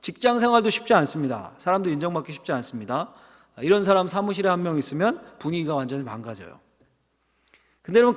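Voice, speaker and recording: A middle-aged male pastor giving a conversational sermon, asking the congregation questions. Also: high voice. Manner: conversational preaching with rhetorical questions and acted quotes. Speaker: senior pastor. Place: church sanctuary. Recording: long hall reverb.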